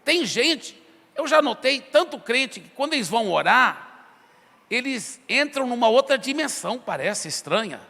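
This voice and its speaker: A pastor preaching in a conversational way, acting out prayers and little dialogues. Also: male voice, very high-pitched, big pitch swings, moderate pace, creaky, bright, forceful tone. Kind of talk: sermon. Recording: long hall reverb.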